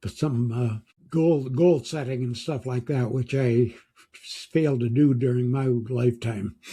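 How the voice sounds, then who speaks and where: Somewhat breathy and dark, mellow in tone, a man's medium-pitched voice moves at a fairly slow pace with fairly even intonation. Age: 90s. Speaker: retired business owner, former engineer. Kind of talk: interview answer.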